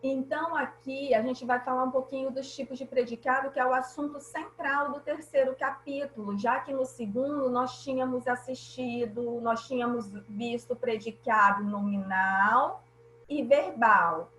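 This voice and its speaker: A woman's voice: high voice, fairly even intonation, normal speed, a bit bright, roomy sound, slight background noise, poor audio. A woman teacher with a Brazilian Portuguese accent, patiently explaining grammar in an online class and often checking that students follow.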